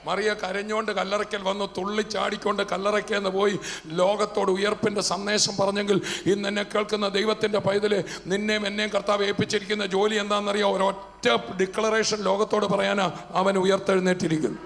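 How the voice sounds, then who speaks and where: A man's voice: high-pitched, completely flat delivery, fast, creaky, a bit bright. A man preaching a fervent sermon to a congregation, his voice swelling and falling. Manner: fervent, rising and dropping in volume. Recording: hall reverb with faint background noise.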